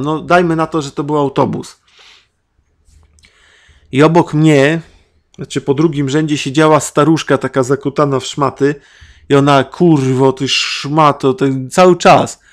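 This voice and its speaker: A man hosting his own internet radio show, talking to listeners in an earnest, dramatic solo monologue. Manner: emphatic, dramatic storytelling with sudden rises in pitch; earnest and confessional.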